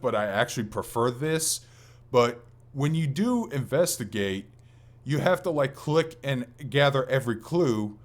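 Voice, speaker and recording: A man co-hosting a casual gaming podcast, speaking in an informal, rambling, enthusiastic way. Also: mid-range voice. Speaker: podcast co-host.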